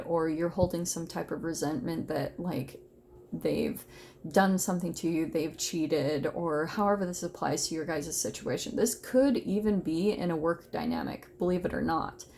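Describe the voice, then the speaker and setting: A woman's voice: on the low side, normal speed, vocal fry, warm tone, slight background noise. A woman giving a casual, unscripted tarot reading, talking informally and directly to her viewers with emphatic, conversational phrasing. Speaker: tarot reader, host of an online reading.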